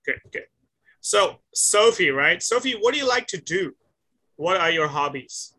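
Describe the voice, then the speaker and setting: Over a video call, a male English tutor guides a student through simple questions in a one-on-one conversation lesson. His voice is very bright, sharp and fairly high, with lively intonation and an unhurried pace. He patiently repeats and gently corrects her answers, praising her as they go.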